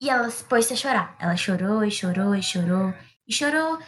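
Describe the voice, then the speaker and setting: A woman's voice: mid-range voice, animated, moderate pace, a little hiss or hum. A woman improvising a children's story, playful and rambling with asides.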